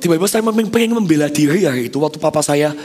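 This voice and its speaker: A man's voice: a little high, lively intonation, racing, a little mellow, faint music behind. A man in his thirties, a pastor telling a personal story in a sermon, talking casually to the congregation and acting out quoted dialogue. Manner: conversational, addresses congregation, acts out quoted dialogue. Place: church stage.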